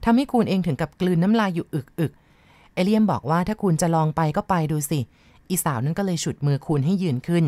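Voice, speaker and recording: A woman reads a novel aloud in a calm, even way. Her voice sits fairly low. The recording is close and dry, with no room sound. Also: a little fast, no room sound. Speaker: audiobook reader.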